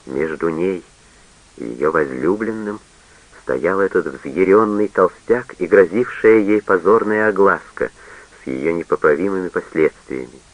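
A man reading a literary novel aloud in a measured, solemn way. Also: low voice, no echo, lo-fi sound. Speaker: audiobook reader. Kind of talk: literary audiobook narration.

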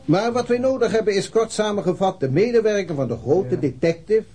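A man acts a self-important, officious police commissioner for a radio play. The voice sits fairly high with a soft, dark tone. He is formal, evasive and wordy. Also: fairly quick, close to an everyday voice. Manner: pompous, formal, long-winded. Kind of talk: radio drama acting.

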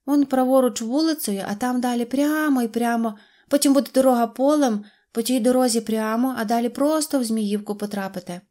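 A woman voicing an eager, helpful little girl in a storybook, calling out in a high, excited voice. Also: brisk, close to an everyday voice.

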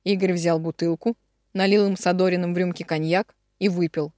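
A woman's voice: fairly low pitch, fairly even intonation, a little fast, darkish tone, no room sound. Give me a woman narrating an audiobook steadily, with a dry close sound. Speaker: audiobook reader. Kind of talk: scripted narration.

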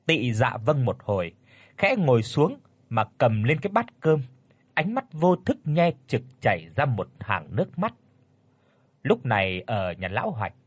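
A man tells a horror story in a husky voice that rises and falls with lively range. The recording is dry and close, with faint music playing underneath. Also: medium pitch, dry recording. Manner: dramatic, expressive. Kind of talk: scripted horror narration.

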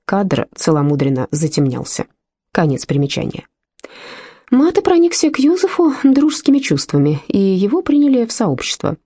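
A woman reading a literary novel aloud as an audiobook narrator, measured and expressive. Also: on the low side, breathy edge, no room sound. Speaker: audiobook reader.

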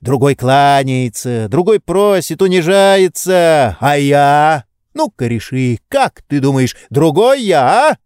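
A man's voice: on the high side, animated, slow pace, a little mellow, clean tone, dry recording, studio quality, voice pushed up. A man voicing a pampered, indolent nobleman who speaks in indignant, reproachful rhetorical questions. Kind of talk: audiobook character reading.

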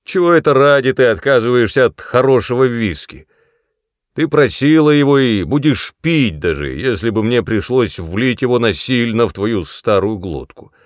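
A man voicing a crude, bullying middle-aged man who talks loudly and mockingly, with a creaky voice. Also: lowish voice, big pitch swings, unhurried, no room sound, clean studio sound, full character voice. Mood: gruff, mocking. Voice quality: loud, gruff, mocking.

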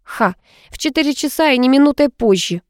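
A woman's voice: high-pitched, expressive, brisk, no echo, clean studio sound, voice pushed up. A woman voicing an irritable, stubborn young female student who talks back sharply. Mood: bossy, stubborn. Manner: snappish, sharp-tongued.

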